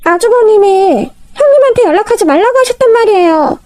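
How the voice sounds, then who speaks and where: A woman voicing pushy, whiny middle-aged sisters-in-law in a spoken story, with a shrill, wheedling tone. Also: lively intonation, brisk, darkish tone, no room sound. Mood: whiny pleading.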